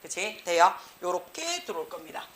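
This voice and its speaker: A woman's voice: on the low side, moderate pace. A woman teaching an English grammar class, checking in with the students after nearly every phrase. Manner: tag question after nearly every phrase, lively reading. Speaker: English teacher at a cram school. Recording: echoey room.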